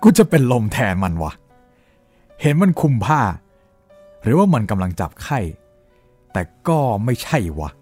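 A man voicing a rough-talking village man who tells of a ghostly encounter with blunt, coarse speech. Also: medium pitch, normal speed, long pauses, soft background music. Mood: uneasy recounting. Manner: lively storytelling, rising and falling. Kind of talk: Thai audio-drama storytelling.

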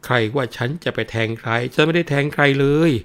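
Man putting on a whiny impatient suitor, raised pitch, pleading. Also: fairly quick, smooth, close to an everyday voice.

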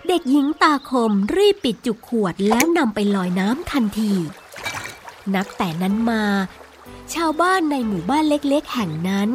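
A woman tells a scripted story for small children. Her voice sits fairly high and moves in lively, sweeping melody. Soft music plays faintly behind her. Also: moderate pace. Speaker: storyteller, narrator.

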